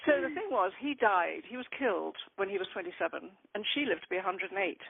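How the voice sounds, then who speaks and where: An older woman author talking about her novel in an interview, thoughtful and rambling with many pauses and ums. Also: mid-range voice, animated, gravelly. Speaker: author guest. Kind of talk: conversational interview. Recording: tinny phone-like line.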